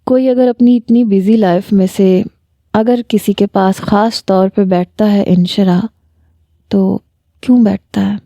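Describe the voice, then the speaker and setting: Woman voicing a lovestruck young doctor guy in a storybook romance, soft coaxing way, mellow tone, dry close sound. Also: medium pitch, fairly even intonation, no room sound, close to an everyday voice. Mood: pleading. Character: young man, a smitten doctor, gentle and persistent. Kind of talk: story narration.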